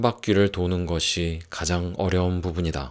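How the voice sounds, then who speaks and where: A calm man's voice, very deep and low, at a very slow pace on a very clean recording with a silent background. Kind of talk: audiobook reading. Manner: soft-spoken, calm.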